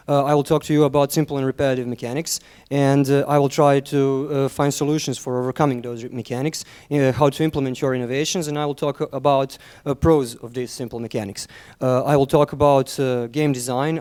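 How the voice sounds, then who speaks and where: A young man with a Serbian accent gives a conference presentation, speaking haltingly with frequent ums and repeated words. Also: mid-range voice, mellow, clear, resonant tone. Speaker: conference speaker, junior game designer.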